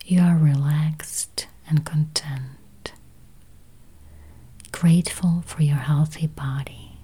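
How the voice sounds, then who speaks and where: A woman leads a guided meditation in a soft, whispery voice, gently speaking in short, spaced phrases. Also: low voice, steady tone, slow, breathy edge. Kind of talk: guided meditation, counting and affirmations.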